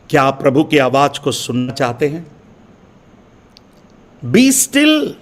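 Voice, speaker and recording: Slow-preaching high-voiced male pastor. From India. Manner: slow, emphatic preaching with repeated refrains; addresses listeners as beloved brothers and sisters. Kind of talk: sermon.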